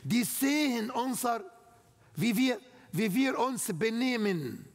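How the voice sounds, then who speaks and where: A man with an Arabic accent preaching a sermon in slow, emphatic, non-native phrasing, speaking in a church hall. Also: very high voice, lively intonation. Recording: long hall reverb.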